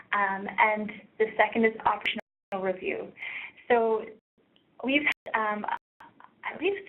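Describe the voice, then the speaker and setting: A soft-spoken woman presenting a webinar from a meeting room, with frequent ums and uhs. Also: medium pitch. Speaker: research practice lead presenting. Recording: tinny phone-like webinar audio.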